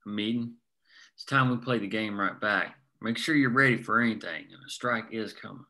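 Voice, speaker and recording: Man reading a pissed-off worker, bright edgy voice, low and firm. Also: fairly quick. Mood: bitter. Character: angry mine worker plotting a strike. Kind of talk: script table read.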